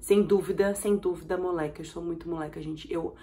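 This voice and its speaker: Reacting to comments from her viewers, this young vlogger talks with an expressive Brazilian Portuguese accent and occasional bursts of excitement. She speaks a little fast in a voice on the low side.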